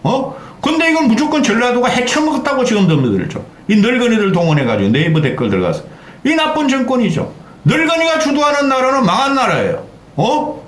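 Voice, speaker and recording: Older guy going off on a furious political rant, high voice jumping all over, echoey room. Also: wildly swooping pitch, a little fast. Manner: heated, swearing, repeatedly interjecting "eh?". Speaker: political commentary host. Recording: echoey room with faint background noise.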